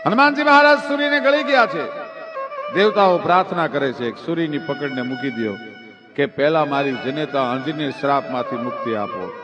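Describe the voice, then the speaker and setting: A man telling a devotional dayro story, swinging from hushed low narration to loud, drawn-out sung verses. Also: lively intonation, muffled recording, over music.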